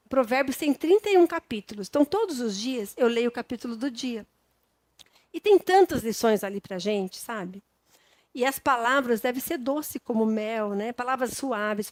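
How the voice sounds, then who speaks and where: Brazilian woman preacher, high voice, casual sermon tone, dry close sound. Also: no echo. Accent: Brazilian Portuguese. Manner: conversational and homely, with frequent tag questions.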